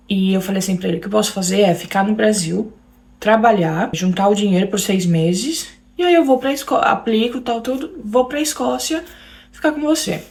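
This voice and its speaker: A young woman with a Brazilian Portuguese accent, her voice carrying a steady gravelly fry. She tells her own story in an emotional way and keeps turning to speak straight to her listeners, at an ordinary pitch for a woman. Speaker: guest telling her story. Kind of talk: personal storytelling to an audience.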